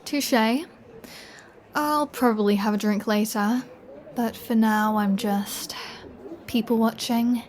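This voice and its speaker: A woman's voice: on the high side, steady tone. A woman playing a flirty, playful vampire who teases in a chatty, self-assured way, as in an intimate roleplay audio. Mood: teasing flirty. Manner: teasing, chatty, unhurried.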